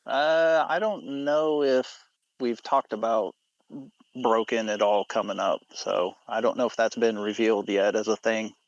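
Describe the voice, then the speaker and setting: A man's voice: lowish voice, steady tone, measured pace, no echo, highs cut off. A man speaking casually as a podcast guest. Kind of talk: casual chat.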